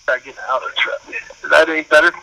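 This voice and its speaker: A man talking over a call connection that keeps breaking up and cutting out, so his words come in broken fragments. His voice is bright and forceful, with halting, restarting phrases in casual chat. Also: a little high, steady tone, vocal fry, slight background noise, poor audio. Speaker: guest duck hunter.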